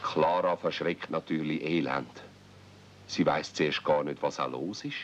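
A man with a Swiss German accent narrating a children's radio play as a storyteller. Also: a little slow. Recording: dull 1970s recording with rumble.

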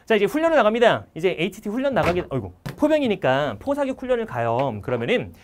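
A male history instructor telling anecdotes at a fast clip, and his pitch leaps around as he acts out the people in them. His voice sits a bit high for a man. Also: background noise. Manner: animated, acts out dialogue. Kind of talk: anecdotal storytelling talk.

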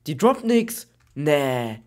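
A man with a cold, hosting a Minecraft let's-play and chatting excitedly with his teammate, repeating himself as he plays. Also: a little high, drawn-out words, a little hiss or hum. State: has a cold. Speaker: gaming YouTuber.

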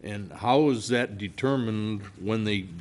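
A man's voice: on the low side, measured pace, a little mellow. A man questioning staff as a council member at a meeting, informal in tone. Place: city council chamber.

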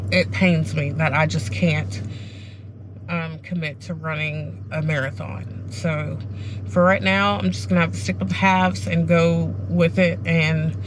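A middle-aged woman vlogging casually to a dashboard camera in a car, talking in a candid, rambling, self-reflective way. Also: low-pitched. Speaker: running vlogger. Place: sitting inside a parked car. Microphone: camera mounted on the dashboard. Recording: clear car and background noise.

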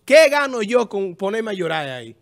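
High-voiced host, emphatic. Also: male voice, big pitch swings, normal speed, vocal fry. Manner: emphatic, repeats words, preachy about optimism. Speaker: TV show host. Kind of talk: casual studio banter on a TV show.

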